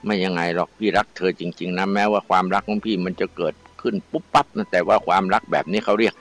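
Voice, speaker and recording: A man's voice: deep voice, steady tone, fast talker, fairly bright tone, faint music behind. A man voicing an earnest, smitten young village man in a told folktale, speaking in a pleading way.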